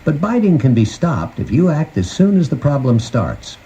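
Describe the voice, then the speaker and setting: A mellow, warm-voiced man narrates an instructional guide in a folksy, conversational way. His delivery is lively and varied in pitch, as if chatting with the listener. It comes from a 1990 cassette tape with faint noise underneath. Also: normal speed. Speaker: host of a puppy training guide tape.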